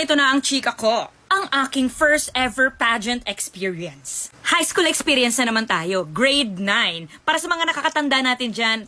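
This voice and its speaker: High-pitched young woman telling gossipy stories. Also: fairly bright tone. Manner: chatty, gossipy, addresses listeners as "te", mixes in English. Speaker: storytime vlogger. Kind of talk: casual storytelling to camera.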